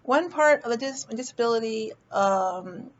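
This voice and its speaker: A woman with a high voice talks in a casual, rambling vlog style. She is playful and blunt, swears freely, and often stalls and repeats words while finding her thought. The recording is a little dull and lo-fi. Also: animated, slight background noise. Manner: halting, repeats words while searching for them. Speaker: vlog host. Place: indoors, lying in a hospital bed with a fan running.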